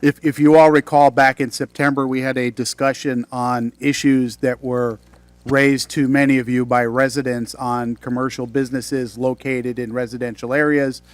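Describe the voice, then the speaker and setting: A man speaking in a council chamber, flat and even in pitch. He sounds measured and accommodating, laying out the next steps. The sound is dry, with no room echo. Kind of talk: council meeting remarks.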